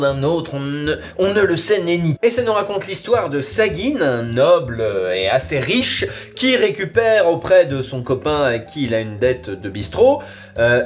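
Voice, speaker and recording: A young adult man, hosting a casual review to camera. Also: fairly high pitch. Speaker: host reviewing audio dramas. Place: wood-panelled bar room, indoors.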